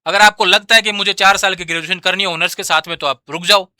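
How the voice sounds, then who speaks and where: A man's voice: high-pitched, steady tone, quick pace, pushed and bright, smooth, no echo, clean studio sound. A man explaining exam rules to students in an informal, repetitive way, often calling listeners brother. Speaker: education channel host.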